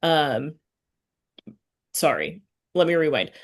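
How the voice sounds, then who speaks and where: A woman with a low-pitched voice chats as an interviewer. She is informal and rambling, often breaking off and restarting her own thoughts. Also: big pitch swings, takes it slowly, creaky. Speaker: podcast host, interviewer. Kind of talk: casual chat.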